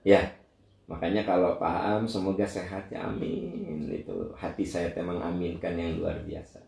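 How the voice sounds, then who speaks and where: A man's voice: sits low, normal speed, vocal fry, reverberant. A middle-aged male Islamic preacher, answering questions in a lecture and talking straight to his listeners. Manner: animated, voice leaps up for emphasis, talks to listeners directly. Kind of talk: Q&A religious lecture.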